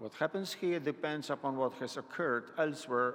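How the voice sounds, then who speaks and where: A man speaks with a Polish accent at a moderate pace, his intonation fairly even. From Poland. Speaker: economist. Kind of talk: panel speech. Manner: halting, with self-corrections.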